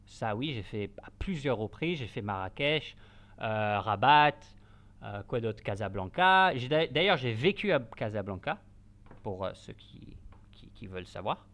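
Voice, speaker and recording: A host whose first language is Spanish, chatting casually through a live football match, answering viewers in a rambling, halting way full of restarts and switching between English and French. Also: medium pitch, very animated, a bit bright. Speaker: host of a live football watch-along stream.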